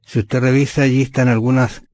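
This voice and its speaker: A man's voice: mid-range voice, level tone, fairly quick, darkish tone. A man co-hosting a conversational Bible lesson, thinking aloud with frequent hesitations. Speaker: Bible study co-host.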